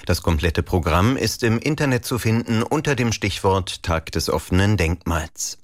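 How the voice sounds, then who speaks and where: A man reading radio news in a measured, formal way. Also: fairly low pitch, animated, no echo, clean studio sound. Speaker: newsreader.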